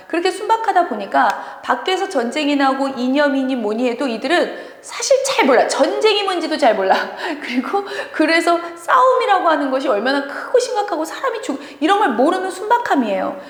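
A woman tutor lecturing students on a literary work in a chatty, animated way, laughing often between points, in what sounds like a classroom. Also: high-pitched. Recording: echoey room with long reverb.

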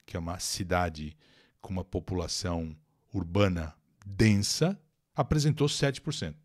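Animated Brazilian man teaching English. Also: fairly low pitch. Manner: reads English text, then translates and explains pronunciation; chatty, addresses viewers directly. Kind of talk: live online English lesson.

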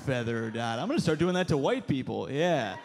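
A man in his thirties doing a stand-up set on a club stage with a handheld mic, punchy and animated, with loud put-on voices. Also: medium pitch, fairly quick. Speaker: stand-up comedian. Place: club stage before a live audience. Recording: live club recording with crowd noise. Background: audience laughter.

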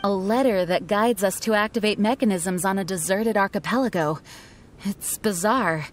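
A woman voicing a composed, dutiful young knight commander in a video game, speaking in a measured, formal, serious manner. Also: medium pitch, slight background noise, close to an everyday voice. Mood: cautious, serious.

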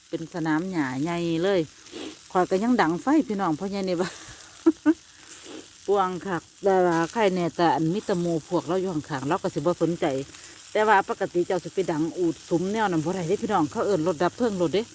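A woman with an Isan Thai accent talks in a rambling, friendly way straight to her viewers, her voice sitting a little low. She is recorded outdoors in a backyard, with a faint hiss of background noise behind her. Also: fairly quick, darkish tone. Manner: chatty, rambling, addresses viewers as brothers and sisters. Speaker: vlogger. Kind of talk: casual chat to viewers. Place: backyard outdoors by a charcoal grill.

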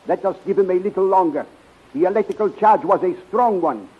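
A man acting a grave, patient scientist in a 1930s radio serial, husky and formal in his speech. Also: sits high. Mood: solemn, earnest. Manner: formal, measured, solemn. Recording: muffled 1930s radio recording.

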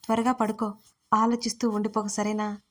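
A woman's voice: mid-range voice, little pitch movement, normal speed, close to an everyday voice. Arjun, a woman doing a fond young man. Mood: caring. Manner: fond, gently teasing. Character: affectionate teasing young man, the groom.

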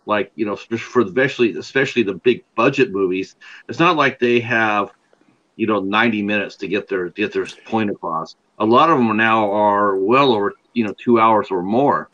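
A man's voice: lowish voice, normal speed, fairly bright tone, dull audio. An older man hosting a livestreamed interview show on a video call, rambling with many fillers and restarts.

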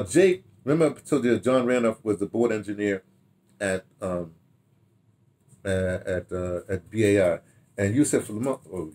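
An American man in his sixties reminisces casually in a rambling, halting way, repeating words and throwing in animated asides, recorded in a home study. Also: on the low side. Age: 60s. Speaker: radio drama director telling his history. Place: small home study, indoors.

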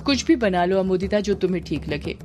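A woman narrator voicing a polite young man who speaks gently but firmly. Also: medium pitch, animated, brisk, faint music behind, close to an everyday voice.

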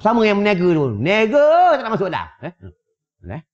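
A man with a Malaysian Malay accent preaching in a mosque prayer hall, animated and teasing, acting out little scenes with wives' voices. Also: high voice, a little fast, lo-fi sound. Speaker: religious preacher. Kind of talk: lively sermon.

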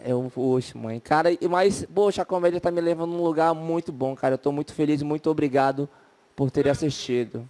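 Self-mocking young comic. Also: male voice, on the high side, little pitch movement, fairly quick, darkish tone. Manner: self-mocking, chatty, full of "né" and "sabe". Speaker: stand-up comedian contestant. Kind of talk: stand-up comedy set.

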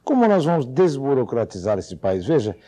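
A man's voice: mid-range voice, big pitch swings, a little fast, dark tone. A middle-aged man hosting a TV studio interview, asking questions in a conversational way on a lapel mic. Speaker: TV host.

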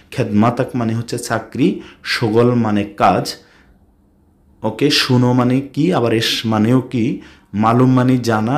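A man's voice: mid-range voice, darkish tone. Bangladeshi man teaching spoken Arabic. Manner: repeats words slowly, mixes in English phrases. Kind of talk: spoken language lesson.

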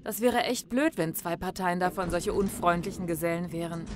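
An actress playing a cheerful, friendly holidaymaker in a crime audio drama, chummy and colloquial. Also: female voice, on the low side, a little fast, background noise, lightly acted. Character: cheerful, friendly woman excited about her holiday. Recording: noticeable ambience behind the voice.

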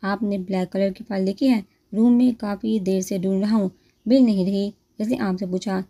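A woman's voice: mid-range voice, fairly even intonation, dark tone, close to an everyday voice. A woman voicing a polite, considerate young husband in a storybook reading. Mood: caring.

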